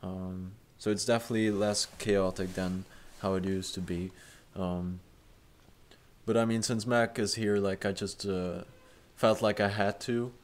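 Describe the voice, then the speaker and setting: A man's voice: lowish voice, fairly even intonation, measured pace. A young man hosting an improvised chat, rambling with fillers and restarts and swearing casually. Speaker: host.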